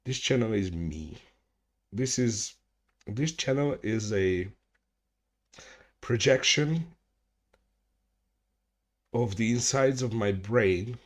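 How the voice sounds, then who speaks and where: A man talks at an unhurried, drawn-out pace, his voice sitting a bit low. He chats loosely with viewers from home, restarting his sentences and swearing without a second thought. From Hungary. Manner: rambling, swears freely, restarts mid-sentence. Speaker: streamer hosting a chat hangout. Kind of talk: casual livestream chat.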